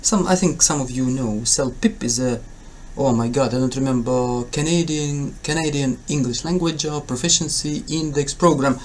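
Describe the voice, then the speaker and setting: He's a tutor from Ukraine preparing viewers for an English test, chatting casually into the camera in his Ukrainian accent. Medium pitch, normal speed, some faint hiss or hum; his speech is full of fillers and self-corrections, but his tone is encouraging.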